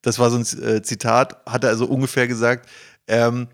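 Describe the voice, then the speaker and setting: Informal male podcast host, mid-pitched. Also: little pitch movement, brisk. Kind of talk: casual chat, presenting to co-hosts.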